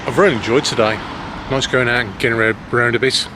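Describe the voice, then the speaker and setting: With clear road and vehicle noise around him, a man from the West Midlands with a Black Country accent, a lorry driver and amateur vlogger, chats casually and a bit self-consciously to camera. His medium-pitched voice moves fast with fairly even intonation as he rambles.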